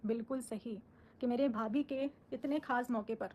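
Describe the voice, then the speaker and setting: A woman's voice: on the high side, fairly even intonation, moderate pace, a little mellow. A woman on a live stream, answering her viewers' comments in a firm, defensive, outspoken way. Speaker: social media creator on a live stream.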